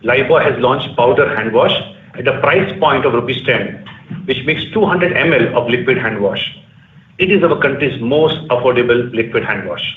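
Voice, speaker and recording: A man with an Indian accent giving a prepared, formal and measured financial presentation as a company executive on a conference call. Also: medium pitch. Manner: formal, measured corporate delivery. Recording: distant, echoey phone-like conference line.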